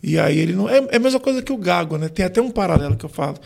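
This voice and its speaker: A Brazilian gospel singer and vocal coach explaining singing on a podcast, with lots of "né" and "tipo" fillers. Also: male voice, sits high, expressive, very fast, vocal fry, a little mellow. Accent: Brazilian Portuguese. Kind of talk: podcast interview.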